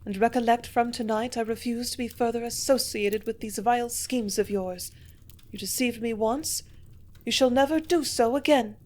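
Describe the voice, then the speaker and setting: A woman's voice: on the high side, normal speed, darkish tone, close to an everyday voice. Storybook heroine, read by a woman: determined, defiant, raised voice. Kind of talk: audiobook character voice.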